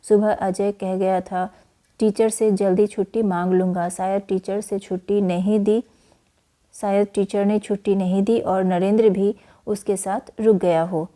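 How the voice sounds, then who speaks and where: A woman reading the part of a calm, reassuring mother in a school play. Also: mid-range voice, unhurried, close to an everyday voice. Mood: concerned. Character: calm caring mother, middle-aged woman.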